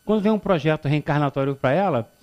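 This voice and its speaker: A man from Rio de Janeiro in his fifties gives a public spiritist lecture in a hall. His voice sits a little high and moves through a lively range of pitch. He jokes with the audience and acts out short exchanges between the people in his stories. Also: quick pace. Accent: Carioca Brazilian Portuguese. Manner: animated, joking storyteller who acts out dialogue.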